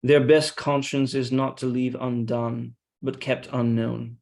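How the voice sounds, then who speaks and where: Man reading a measured, insinuating schemer. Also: medium pitch, little pitch movement, creaky, a little mellow. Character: scheming deferential soldier feeding his lord's suspicion. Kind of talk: Shakespeare read-along.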